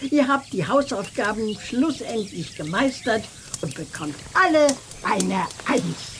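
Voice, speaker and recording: A woman's voice: mid-range voice, lively intonation, unhurried, a bit bright. Older witch schoolmistress, stern but proud, kids audio play, bit of noise behind. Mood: proud, solemn. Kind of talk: children's audio drama acting.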